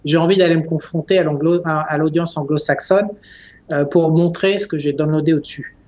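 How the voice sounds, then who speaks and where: A man's voice: a little high, fairly even intonation, a little fast, darkish tone. A man in his forties, a guest in a casual interview, talking bluntly and in rambling bursts, often laughing. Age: 40s. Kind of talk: casual conversation. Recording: dull lo-fi sound.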